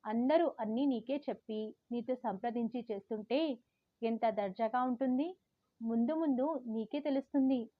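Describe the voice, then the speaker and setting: A woman's voice: on the high side, normal speed, no echo, dull audio, lightly acted. A woman voicing a strict but caring middle-aged mother who chides her eldest daughter. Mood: teasing. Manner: chiding, then soothing.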